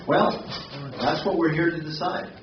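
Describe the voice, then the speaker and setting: A man's voice: on the high side, fairly even intonation, measured pace, music in the background. A man giving a pointed campaign speech at a forum. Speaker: candidate at a forum. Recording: echoey hall, far mic, muffled.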